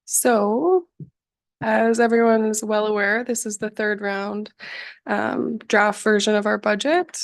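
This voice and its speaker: A woman who is sick with a lowered, hoarse voice, presenting a budget at a council meeting, halting with frequent ums and apologies. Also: fairly even intonation. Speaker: municipal finance staff presenting budget. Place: council chamber.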